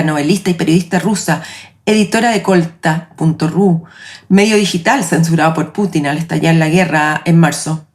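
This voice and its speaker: A woman in her late forties with a Chilean accent, hosting her own podcast in a reflective, measured, personal narration. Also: on the low side, a little mellow. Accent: Chilean Spanish. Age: 40s. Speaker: podcast host.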